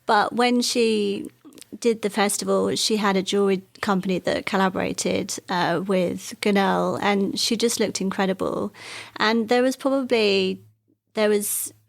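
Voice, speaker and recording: A woman born in Wales, a guest in an interview, recounting her career in a relaxed, chatty way. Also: medium pitch, a little slow, vocal fry. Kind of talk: interview conversation.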